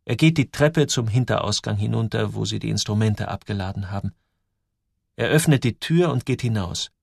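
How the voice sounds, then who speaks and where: A man reading a story aloud in scripted narration, with lively, dramatic ups and downs. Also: fairly low pitch, normal speed, gravelly, husky, no room sound, clean studio sound. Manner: lively, dramatic storytelling with sudden drops and rises. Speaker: audiobook narrator.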